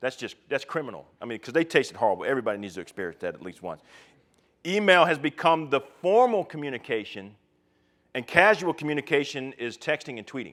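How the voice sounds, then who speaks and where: A man in an American accent talks very fast at a fairly high pitch, his voice swinging very widely and showing vocal fry. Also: big swings in loudness. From Washington DC area, Southern parents. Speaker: pastor. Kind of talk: sermon. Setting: university chapel with audience. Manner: halting, many repetitions and fillers.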